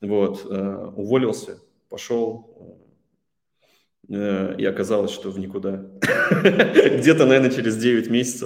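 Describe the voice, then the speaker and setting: Long, frequent pauses in very slow talking, with audible room echo and ordinary pitch variation. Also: man, medium pitch for a man. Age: 30s. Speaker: startup founder. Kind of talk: casual interview.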